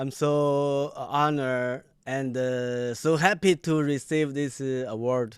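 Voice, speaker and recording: A man with a Chinese accent, fairly high-pitched, fairly even in intonation, very slow in pace, with hardly any pauses. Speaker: award honoree, musician. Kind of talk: acceptance speech. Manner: halting.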